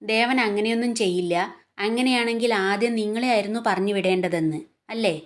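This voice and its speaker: A woman's voice: mid-range voice, moderate pace, natural voice. Woman narrator doing a taunting young office woman in a storybook, spiteful and mocking.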